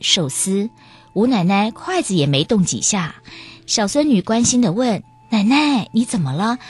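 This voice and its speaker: A woman radio host tells a scripted story. Her voice is slightly breathy and her pitch moves in a lively way, with faint music behind her. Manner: warm storytelling, expressive.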